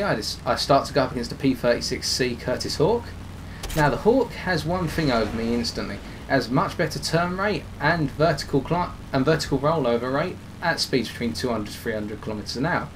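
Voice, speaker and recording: A man commentating over his own game footage, slightly hoarse as he is losing his voice, explaining tactics with frequent restarts. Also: medium pitch, very animated, brisk, slight background noise, poor audio. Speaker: gameplay commentator.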